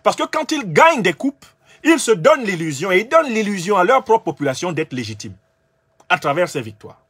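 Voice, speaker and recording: A man's voice: high voice, big pitch swings, fairly quick, a bit bright, slightly rough, no room sound. A man from Cameroon giving a lecture-style monologue, emphatic and argumentative, speaking straight to his listeners. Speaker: political commentator.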